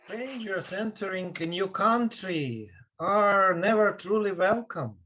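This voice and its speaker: A man playing a beseeching suppliant in a Greek tragedy chorus, solemn and deliberate, on dull video-call audio. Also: sits high, animated, bright, forceful tone, breathy edge, heavily acted. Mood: sombre. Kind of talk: dramatic reading of ancient Greek tragedy.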